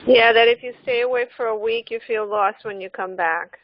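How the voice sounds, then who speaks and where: Female call participant, slightly high pitch, casual learner tone, lo-fi muffled line. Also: normal speed, slight background noise. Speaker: trainee participant on a group call. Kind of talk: casual questions and short replies. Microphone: conference call line. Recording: dull, muffled conference call audio.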